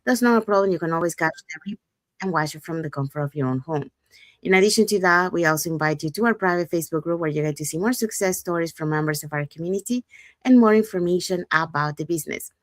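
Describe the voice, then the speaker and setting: A woman's voice: lowish voice, quick pace, dry recording. A woman from Panama, co-hosting a show and inviting viewers in an upbeat, repeating way. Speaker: co-host. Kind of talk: scripted show promotion.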